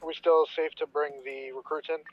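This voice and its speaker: A man's voice: fairly high pitch, level tone, a little fast. A man playing a police officer who calls in over the radio in a role-play, using terse codes. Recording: dull, muffled radio sound.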